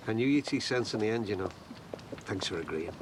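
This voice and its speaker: A man's voice: fairly low pitch, lively intonation, fairly quick, slight background noise, lightly acted. An actor playing a bluff, eager middle-aged man in a TV soap. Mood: showy. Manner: chatty, jokey, wordy mock-formal speeches. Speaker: neighbour courting his partner. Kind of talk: TV soap acting.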